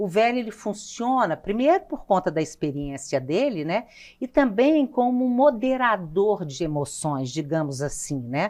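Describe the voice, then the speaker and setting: At a fairly slow pace with hardly any pauses, a woman with a medium pitch makes very wide pitch swings. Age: 60s. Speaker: journalist and writer. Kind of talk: interview conversation.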